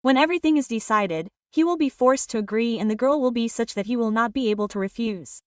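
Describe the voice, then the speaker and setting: A woman's voice: a little high, fast talker, no echo, natural voice. A woman voicing a bitter, scheming middle-aged aunt who speaks with cold sarcasm. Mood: sarcastic. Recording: slightly distant, dry recording.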